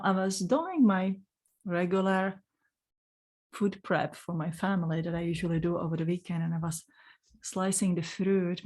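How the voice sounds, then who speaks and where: A woman in her forties with a Czech accent, telling a personal story in a gentle, unhurried way and speaking directly to the listener. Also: fairly low pitch. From Czech Republic. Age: 40s. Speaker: spiritual channeler.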